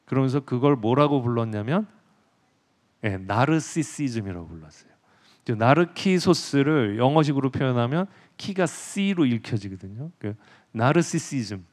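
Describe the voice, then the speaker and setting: A male professor telling myths in a lecture, animated, acting out characters and asking the audience questions. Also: medium pitch, normal speed. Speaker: professor giving a public lecture.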